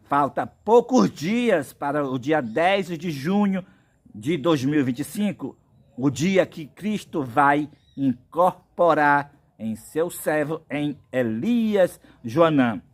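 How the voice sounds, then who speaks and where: A man from Brazil delivers a prophetic sermon in a high voice. He speaks slowly and insistently, stacking up biblical references. His preaching is earnest and drawn out. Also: expressive.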